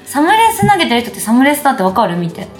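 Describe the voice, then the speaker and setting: A woman's voice: a little high, sing-song, very fast, echoey room, faint music behind. A woman co-hosting a casual talk show, laughing often as she reads out listener letters. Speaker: podcast co-host. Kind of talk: casual chat.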